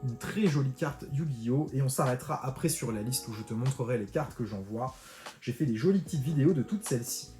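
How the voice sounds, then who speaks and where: A man's voice: mid-range voice, animated, fairly quick, mellow. A man talking a viewer through a step-by-step online tutorial, chatty and informal, addressing the viewer directly. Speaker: card-collecting tutorial host. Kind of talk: screen-recorded tutorial walkthrough. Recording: roomy echo with faint music.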